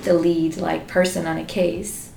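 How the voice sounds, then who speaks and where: A woman co-hosting a podcast in casual chat, hoarse and losing her voice, laughing often. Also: on the low side, flat delivery, a little slow, dark tone. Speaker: podcast co-host. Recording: roomy echo, faint noise.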